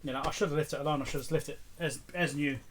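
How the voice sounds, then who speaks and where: Man rambling casually, slightly high voice. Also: steady tone, racing. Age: middle-aged. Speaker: electronics repair video host. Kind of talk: casual unscripted show-and-tell. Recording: clear background noise with clicks.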